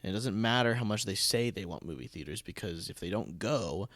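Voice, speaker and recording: A man's voice: on the low side, expressive, fairly quick, a bit bright, no room sound. A man speaking as a guest in a casual, conversational podcast. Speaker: podcast guest, stage actor.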